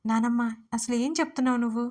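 A woman's voice: a little high, quick pace, darkish tone, close to an everyday voice. A woman voicing a serious, brooding young man who answers curtly in an audio story. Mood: confused. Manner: curt, serious.

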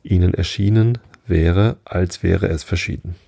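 A self-satisfied duchess who turns every remark into a moral, read by a man in a deep voice. She comes across as gravelly and dark-toned. The delivery is preachy and storybook-like. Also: steady tone, unhurried, no room sound, clean studio sound, heavily acted. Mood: smug. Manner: preachy, spins out tangled morals. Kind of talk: storybook reading.

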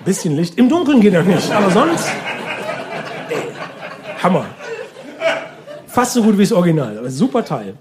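Animated male stand-up comedian. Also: high-pitched, normal speed, long pauses, a crowd in the background, noisy background. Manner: casual, chatty asides in short phrases. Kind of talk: stand-up comedy monologue, conversational.

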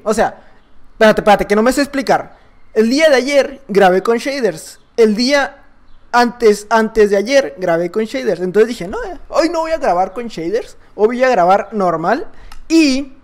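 Loud, lively Mexican gamer guy. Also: extremely high pitch. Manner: loud, shouting and laughing often. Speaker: gaming YouTuber. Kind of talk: casual gameplay commentary.

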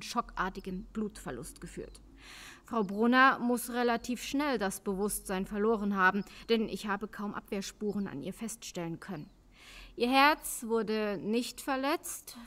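An actress playing a tired, brisk forensic pathologist in a crime radio drama, speaking precisely and matter-of-factly. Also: female voice, mid-range voice, a bit bright, natural voice.

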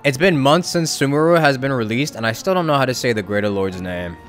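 A man's voice: mid-range voice, expressive, fast talker, a bit bright. A man giving casual live stream commentary as a game streamer, in a wry, joking manner. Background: game music.

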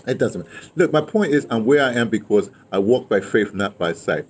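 A man's voice: on the low side, lively intonation, moderate pace. Man in his seventies, noisy outdoor recording. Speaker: interviewee, audio drama veteran. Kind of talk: casual reminiscing chat. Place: outdoors, patio or yard of a building. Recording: clearly noisy outdoor ambience.

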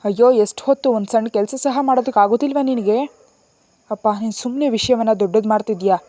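A woman reading a storybook aloud and voicing a defiant, stubborn young woman who answers back sharply and loudly. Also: mid-range voice, steady tone, moderate pace, no echo, close to an everyday voice. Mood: indignant. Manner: sharp, indignant and loud.

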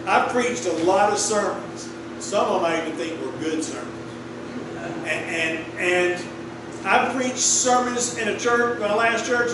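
A middle-aged man preaching a conversational sermon, telling a story and drawing answers from the congregation in a small wood-paneled church. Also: high-pitched. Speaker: pastor. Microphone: room mic from a distant camera. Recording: echoey room, distant mic, clear air-conditioner hum.

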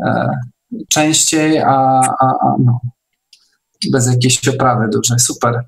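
A man hosting an online meeting in casual chat, speaking in a hesitant, halting way. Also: medium pitch, steady tone, gravelly.

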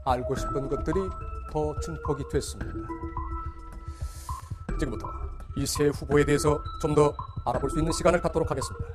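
A person using a voice changer to sound like a very deep-voiced news announcer, speaking in a formal announcing manner. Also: fairly even intonation, brisk, long pauses, loud music behind the voice. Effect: voice changer pitched very deep.

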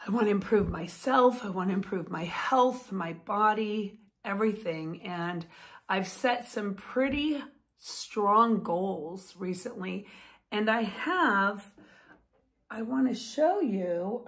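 Filmed indoors at home on a close-up phone or webcam, a chatty woman in her fifties who vlogs and writes books talks slowly to camera. Her voice is medium in pitch with lively intonation, and her hands move enthusiastically as she speaks.

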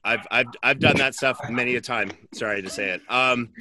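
A man's voice: medium pitch, fairly quick, crowd noise. A middle-aged man hosting a podcast over a video call, putting questions to a guest and addressing the audience. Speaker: podcast host. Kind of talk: interviewing and presenting to an audience.

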